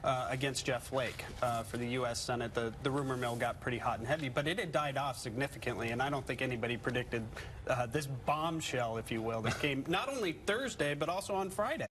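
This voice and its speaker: A man offers unscripted commentary as an interviewee. His medium-pitched voice comes in measured, halting phrases over faint background noise. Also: a bit bright.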